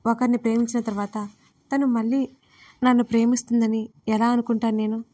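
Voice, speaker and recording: A woman's voice: a little high, little pitch movement, brisk, warm tone, natural voice. A woman voicing a downcast young man who speaks in a subdued way. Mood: resigned.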